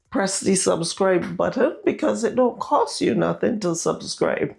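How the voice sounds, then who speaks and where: A woman with a Barbadian accent talks viewers through a recipe in her home kitchen, chatty and unhurried. Her voice is naturally husky and sits fairly low, with a gravelly fry, and a sore throat makes it raspier still. She speaks at a very slow pace. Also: a little mellow. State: raspy, irritated throat. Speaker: home cooking vlogger. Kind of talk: casual recipe vlog.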